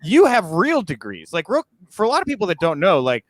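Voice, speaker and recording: A man's voice: high-pitched, wildly swooping pitch, fairly quick, dry recording. A man hosting a casual interview over a video call, chatty and self-deprecating. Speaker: interview host.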